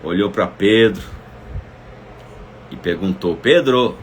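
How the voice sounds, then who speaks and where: Male preacher, middle-pitched, intimate and emotive, addresses the listener directly; faint room hum. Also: animated, unhurried. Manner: emotive, swings between loud exclamations and soft asides; speaks directly to listeners as "minha irmã". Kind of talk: devotional Bible teaching.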